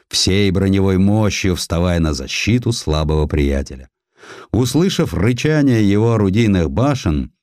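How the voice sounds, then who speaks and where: Recorded dry with studio quality, a low-voiced man narrates historical prose as a dramatic audiobook reader. He tells the story expressively and acts out the quoted speech.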